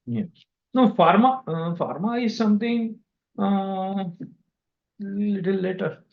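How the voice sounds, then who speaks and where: A man with an Indian accent answering investors as a company executive on a conference call, speaking haltingly with pauses mid-sentence. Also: high voice, vocal fry. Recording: dull, echoey conference call audio.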